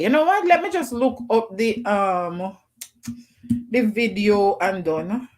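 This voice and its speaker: A woman hosting a casual livestream call-in, chatting loosely and greeting viewers by name. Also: medium pitch. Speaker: livestream host.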